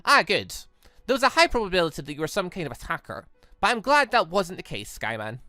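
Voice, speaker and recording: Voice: mid-range voice, big pitch swings, quick pace, bright, forceful tone, no room sound, faint music behind. A narrator voicing a cheerful, polite young robot girl in a visual novel, speaking in a chirpy, formal, matter-of-fact way.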